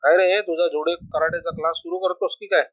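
A man's voice: fairly high pitch, fairly even intonation, a little fast, a bit bright, dry recording. A man voicing a stern middle-aged male jail warden who scolds and gives orders, in a storybook reading on a dull lo-fi recording. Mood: scolding. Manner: scolding, bossy.

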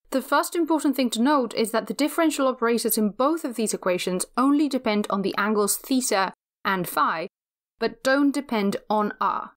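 Measured woman lecturing on physics. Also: fairly high pitch. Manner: measured, methodical explaining. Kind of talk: scripted lecture narration.

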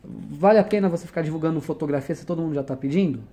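A man's voice: fairly high pitch, racing, warm tone, breathy edge. A man explaining business ideas in a conversational one-on-one lesson, using everyday examples and questions.

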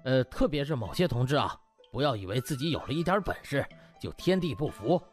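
Man playing a pompous hospital official, expressive pitch. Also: brisk, faint music behind, lightly acted. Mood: stern lecturing. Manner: officious speechmaking. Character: pompous, self-important male hospital vice director.

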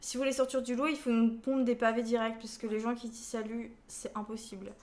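A woman's voice: a little high, level tone, fast talker, a little mellow, slight background noise. A woman in her twenties from France, streaming a casual chat with viewers in a slangy, teasing way. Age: 20s. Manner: slangy, teasing, laughs often. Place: small room indoors.

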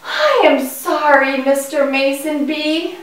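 A woman voicing a curious, naive young boy puppet in a children's show, with wide-eyed, exaggerated and deliberate delivery. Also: sits high. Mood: thoughtful. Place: indoor puppet stage, far from the mic. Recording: echoey room, distant microphone.

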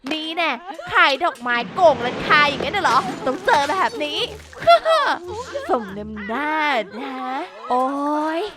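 A woman's voice: high-pitched, expressive, normal speed, hardly any pauses. A woman giving playful game commentary, theatrically scolding characters and talking to her viewers. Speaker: gaming YouTuber. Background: background music.

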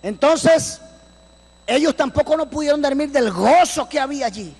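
A man giving a dramatic church testimony as a survivor, acting out voices and breaking into shouts. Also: extremely high pitch, normal speed. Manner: animated storyteller who acts out voices and bursts into shouts. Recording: long church hall reverb.

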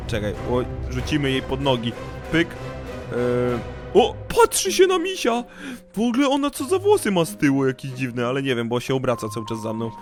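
Excitable young man gaming, upbeat music under. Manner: animated, breaks into shouted high-pitched panic. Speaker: gaming YouTuber. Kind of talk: excited let's-play commentary.

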